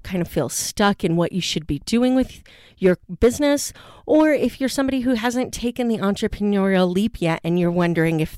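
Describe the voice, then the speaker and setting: A woman hosting an interview podcast and coaching pitch, talking in an upbeat, chatty way with casual fillers. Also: a little mellow, clear, resonant tone, no echo, clean studio sound.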